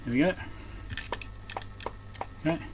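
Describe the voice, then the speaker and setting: A man giving casual hands-on repair commentary, muttering and thinking aloud as he works at a workbench. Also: slow. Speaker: electronics repairer presenting his repair. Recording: clear background noise.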